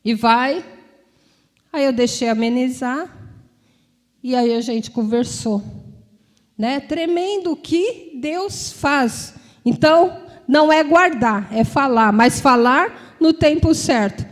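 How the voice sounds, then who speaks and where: A woman who is both a preacher and a psychologist gives a conversational sermon to a congregation and online viewers, speaking slowly in a high voice. She is informal and repetitive, often checking in with listeners through tag questions, and the large hall adds long reverb.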